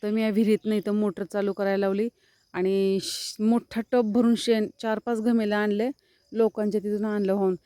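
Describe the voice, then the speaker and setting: A woman's voice: medium pitch, flat delivery, moderate pace, dark tone, clean tone, no echo. A woman vlogger, chatting casually as she walks around her farm showing trees and cattle. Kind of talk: casual walk-around vlog narration. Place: outdoors on a rural farm among trees and cattle.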